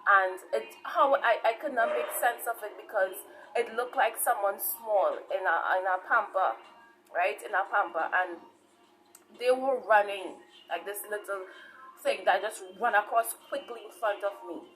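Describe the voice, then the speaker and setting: A woman's voice: medium pitch, a little slow, fairly bright tone, soft background music, low-quality recording. A woman from Saint Vincent and Trinidad with a Caribbean accent, giving informal testimony as an online preacher, repeating herself and often checking in with her listeners. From Saint Vincent, grew up in Trinidad. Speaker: online preacher and channel host.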